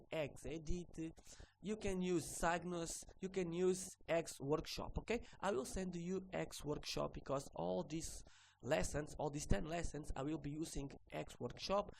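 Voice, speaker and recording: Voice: medium pitch, vocal fry, a little hiss or hum. Instructor. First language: Portuguese. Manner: ends phrases with a questioning "okay?", repeats himself. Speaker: repair course instructor. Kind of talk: screen-recorded tutorial walkthrough.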